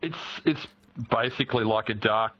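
A man with a low voice explains giant pumpkin growing in an easygoing way. The sound is dull and muffled, like a phone line. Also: moderate pace. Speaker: pumpkin grower guest.

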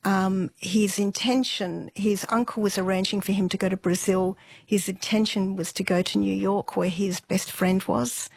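A middle-aged woman telling an interviewer her family's history in a relaxed, unhurried way, with fillers and soft laughs. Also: medium pitch, gravelly, no room sound, poor audio. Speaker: interview guest.

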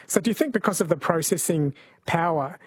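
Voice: medium pitch, lively intonation, brisk, husky, no echo. A radio host interviewing a correspondent with playful, teasing questions.

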